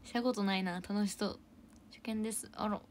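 A young woman hosting a casual idol livestream. She reads out viewer comments and thanks them for gifts, and often drops into soft, whispery asides. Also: medium pitch, steady tone, a little fast, a little hiss or hum.

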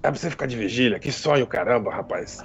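A man's voice: mid-range voice, expressive, fast talker, a little hiss or hum. A man voicing a grumpy male warrior companion who scolds in a tabletop game. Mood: scolding. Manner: gruff, scolding. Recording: dull lo-fi stream audio.

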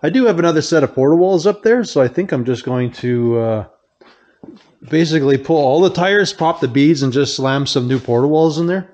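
A middle-aged man hosting a casual behind-the-scenes vlog, rambling in a relaxed way and often trailing off to restart, recorded on a lapel mic. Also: on the high side, fairly quick, muffled recording. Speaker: car builder and channel host.

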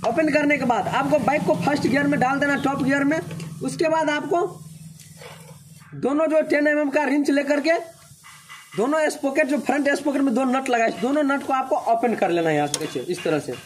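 A man's voice: extremely high pitch, brisk, background noise. A man, a bike mechanic walking viewers through a repair step by step and pointing things out as he goes. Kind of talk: how-to repair tutorial. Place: motorcycle workshop.

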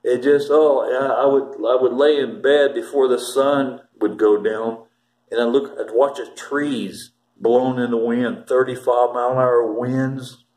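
A man's voice: medium pitch, steady tone, unhurried, darkish tone. Older man rambling, echoey room. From Ohio, USA. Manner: rambling, emphatic, restarts sentences. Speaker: vlogger. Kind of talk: casual storytelling to camera. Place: small plain indoor room. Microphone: phone camera held close.

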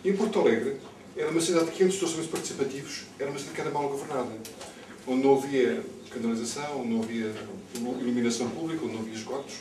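Recorded by a distant camera mic in an echoey, noisy, bookshop-like room with a seated audience, a middle-aged Lisbon man with a Lisbon Portuguese accent speaks as a panel candidate at a public political debate. His mid-range voice comes rapid-fire and off the cuff, and he emphatically repeats words as he builds his points.

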